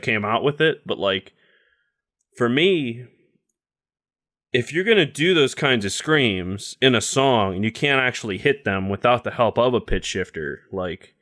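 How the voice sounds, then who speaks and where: A man's voice: mid-range voice, fairly bright tone. A young man co-hosting a podcast in casual chat, giving blunt opinions peppered with "like" and swearing. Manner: blunt, heavy use of "like", swears freely. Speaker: podcast co-host.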